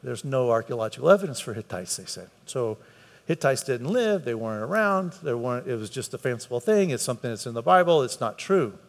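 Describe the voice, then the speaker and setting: A man's voice: mid-range voice, big pitch swings, a little fast, vocal fry. A man preaching a conversational sermon to a congregation, earnest and repeating words for emphasis. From United States. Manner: earnest, repeats words for emphasis, voice climbs when stressing a point. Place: church hall with a live congregation. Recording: long hall reverb.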